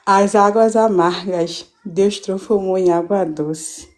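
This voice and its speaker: A woman's voice: mid-range voice, slow, a little mellow. A woman giving a fervent, rambling church testimony from home on a live stream, with many restarts.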